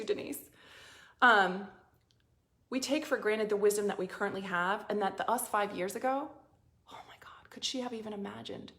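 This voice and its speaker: A woman's voice: medium pitch, fairly bright tone. A woman business coach giving a motivational talk, repeating phrases for emphasis and sometimes dropping to a near-whisper.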